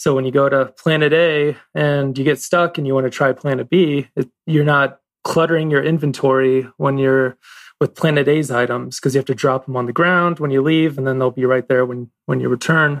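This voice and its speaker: In a dry, close recording with no echo and a quiet background, a man speaks at a moderate pace in a fairly high, monotone, flat voice. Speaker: gaming club member. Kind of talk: casual chat.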